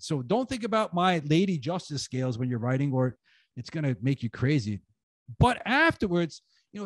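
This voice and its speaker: A man with a fairly high voice gives an easygoing conference talk on editing, peppering it with "like" and "you know." His voice comes through a video call, close and dry with no room sound. He speaks loosely and informally. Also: no room sound. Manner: casual, filler-heavy, uses "like" and "you know". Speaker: guest speaker, writing teacher. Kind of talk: conference talk to an online audience.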